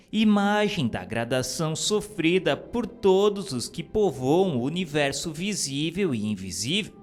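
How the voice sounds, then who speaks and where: Male narrator, solemn scripted spiritual reading, unhurried delivery with lively intonation over background music. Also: on the high side.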